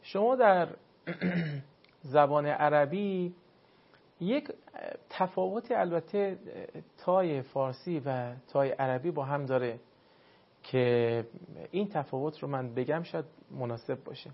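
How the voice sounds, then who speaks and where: A man teaching the pronunciation of Arabic letters for recitation, explaining patiently and slowing down to demonstrate each sound. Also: on the high side. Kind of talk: spoken pronunciation lesson. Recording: dull lo-fi sound.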